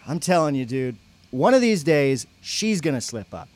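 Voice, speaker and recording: An actor plays a brash young man at church camp in an audio drama. His lightly high male voice swings widely as he gripes in emphatic, resentful slang. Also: big pitch swings, measured pace, a little mellow. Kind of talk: naturalistic audio drama dialogue.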